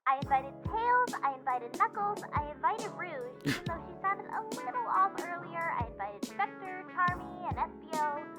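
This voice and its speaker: Perky young female hedgehog: extremely high, animated, expressive and caring cartoon voice over music. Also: moderate pace, hardly any pauses. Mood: cheerful, chatty. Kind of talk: animated fan audio drama acting. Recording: music under the voice. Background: background music.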